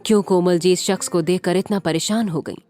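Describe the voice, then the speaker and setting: A woman storyteller reading a scripted romance story in a measured, expressive way. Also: fairly low pitch, faint music behind.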